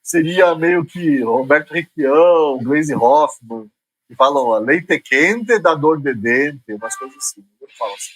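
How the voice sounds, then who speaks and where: Middle-aged man, Curitiba accent, husky voice, dry sound, relaxed guest. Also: fairly high pitch, a little slow, dry recording, low-quality recording. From Curitiba, Brazil. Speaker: guest columnist. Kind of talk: casual interview chat.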